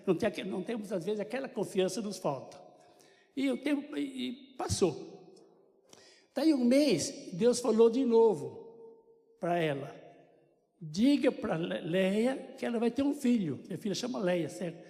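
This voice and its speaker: A man's voice: high-pitched, expressive, normal speed, vocal fry, mellow. An older man with a Brazilian Portuguese accent, giving a chatty church testimony to a congregation with joking asides. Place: church sanctuary. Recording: long church reverb.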